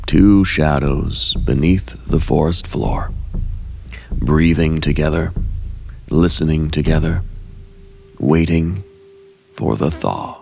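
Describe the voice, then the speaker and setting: A man narrating a guided meditation in an ASMR style, solemn and hushed, in short, deliberate phrases with a gravelly, breathy voice. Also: very deep voice, slight background noise. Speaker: host and narrator of a meditative radio show.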